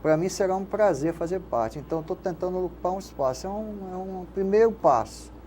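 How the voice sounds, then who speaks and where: A man's voice: sits high, brisk, mellow. An older man from Rio de Janeiro with a Carioca accent, a guest in an interview, talking reflectively and rambling, often tagging his sentences with a questioning word. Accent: Carioca Brazilian Portuguese. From Rio de Janeiro, Brazil. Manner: reflective, rambling with frequent "né?" tags. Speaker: guest, radio station manager and poet. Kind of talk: casual interview conversation. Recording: faint background noise.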